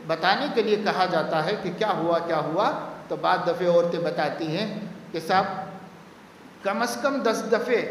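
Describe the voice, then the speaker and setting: Male preacher, high voice, emphatic Friday sermon, long hall reverb, faint background hum. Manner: emphatic, repeats key words for stress. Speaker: maulana preaching.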